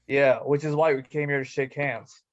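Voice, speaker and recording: A man's voice: mid-range voice, fairly even intonation, normal speed, no echo, dull audio. A man doing an amateur staged reading of wrestling promos, with casual asides, over an online call.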